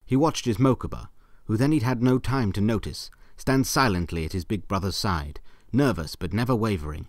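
A man's voice: on the low side, moderate pace, few pauses, dry recording, clean studio sound. A man narrating a scripted story in a theatrical, wry manner with ornate phrasing.

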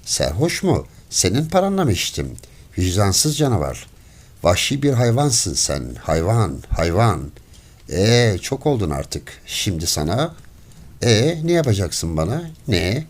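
A man voicing a poor peasant man who pleads desperately and then rages and shouts, in an audiobook story. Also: lowish voice, big pitch swings, a little slow. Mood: furious. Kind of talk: audiobook character voice.

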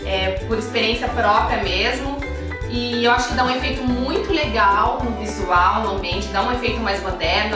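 Filmed in her modern indoor kitchen, a home-organization vlogger in her thirties speaks casually with a Brazilian Portuguese accent and a fairly high pitch. Chatty and warm, she gestures as she explains and keeps restarting her sentences. The camera sits at medium distance, so the audio sounds distant and echoey, with background music.

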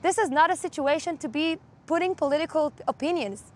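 A woman's voice: high voice, fairly quick. A woman in her twenties making an impassioned appeal as a guest in a live interview. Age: 20s. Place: outdoor terrace in a city.

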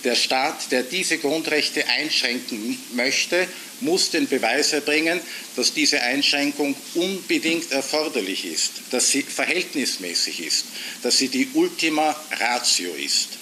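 A man speaking in a measured, lecturing tone, setting out a formal legal argument with small hesitations. His voice is of middle pitch and quite bright, with faint noise behind him. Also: animated, low-quality recording.

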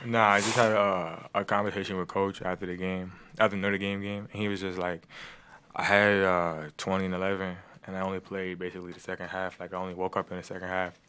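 A young man, a first-year college basketball player, giving relaxed postgame answers at a table mic in a press room. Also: low voice, quick pace, smooth. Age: young adult. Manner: laid-back, relaxed, repeats "I mean". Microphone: table mic on stand.

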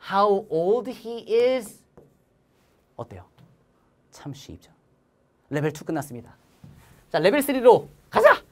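A woman giving a lively online grammar lesson, teaching in an animated, playful way with sing-song cues to her students. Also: a little high.

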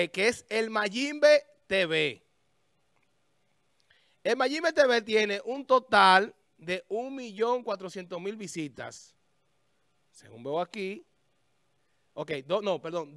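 A man hosts a casual studio talk show, speaking high in his range into a stand mic. The sound is dry and close. He thinks out loud, restarting phrases while he looks things up. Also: lively intonation, slow pace, pauses often, no echo. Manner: talks while searching a website, thinking aloud with restarts. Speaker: show host. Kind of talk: casual on-air chat. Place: small studio with a festive desk.

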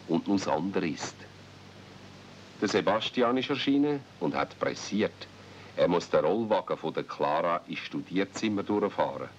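A man with a Swiss German accent narrating a children's radio play as a storyteller. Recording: dull 1970s recording with rumble.

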